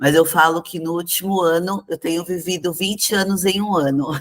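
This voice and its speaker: The woman speaks in a plain, everyday voice at a fairly low pitch. Her pace is moderate. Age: 40s. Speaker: entrepreneur and career mentor. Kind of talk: personal story talk.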